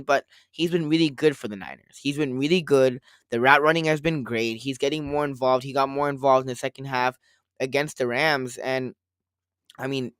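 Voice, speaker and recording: A man co-hosting a casual sports podcast, rambling and circling back to his points, a little hoarse after a cold. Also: medium pitch, a bit bright, dry recording, clean studio sound. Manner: rambling, repeats himself, quotes others. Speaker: podcast co-host.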